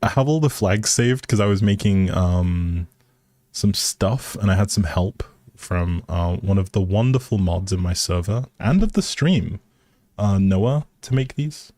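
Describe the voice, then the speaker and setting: A man with a deep, low voice talks through a game livestream. He is unhurried and easygoing, thinking aloud as he goes. The sound is close and dry, with very little room. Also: expressive, dark tone, dry recording. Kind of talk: casual livestream commentary while playing a life simulation game.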